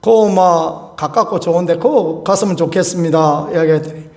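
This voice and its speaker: A pastor in his fifties preaches with a high, light voice. He tells a homely personal story in a folksy, animated way, chuckling as he goes. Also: normal speed, vocal fry.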